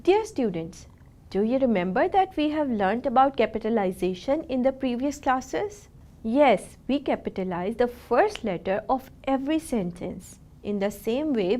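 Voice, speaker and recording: A woman's voice: on the high side, a little mellow. Woman teacher. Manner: slow, careful, sounding out words. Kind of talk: scripted classroom lesson.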